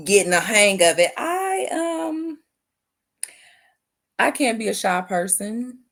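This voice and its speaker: Low, gravelly-voiced woman reflecting. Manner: thoughtful, repeats phrases, soft spoken. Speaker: guest, veteran and business owner. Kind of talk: reflective interview answers.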